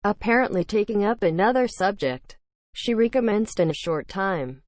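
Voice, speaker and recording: A woman's voice: medium pitch, animated, normal speed, dry recording. A woman narrating a classic novel as an audiobook, reading scripted prose and dialogue with expression.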